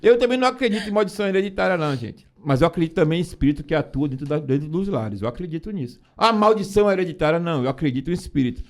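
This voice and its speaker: A man's voice: a little high, expressive, racing, few pauses. A man on a podcast speaking emphatically about faith, often addressing listeners directly. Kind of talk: casual preaching talk.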